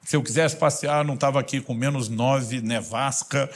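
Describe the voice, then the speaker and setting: A man with a Brazilian Portuguese accent, preaching a storytelling sermon that swings between loud bursts and hushed intensity. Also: mid-range voice, fairly even intonation, normal speed. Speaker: pastor.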